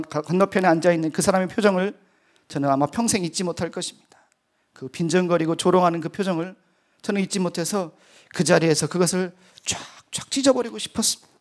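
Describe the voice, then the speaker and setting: A middle-aged man, a missionary, giving a sermon testimony with earnest, vivid storytelling. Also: high-pitched. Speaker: missionary preacher.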